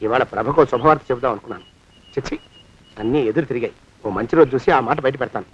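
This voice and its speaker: A man's voice: medium pitch, quick pace, slightly rough, close to an everyday voice. An actor playing a bossy, stingy man who scolds and barks orders at his servants in a film comedy. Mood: lecturing. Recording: dull film soundtrack.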